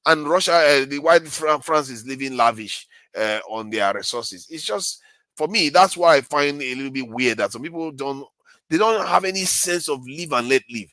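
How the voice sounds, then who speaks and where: A man's voice: a little high, normal speed, no echo. A man with a Nigerian accent hosting a casual panel chat, chuckling and cutting in on the others. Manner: lively, chuckling, talks over others. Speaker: host.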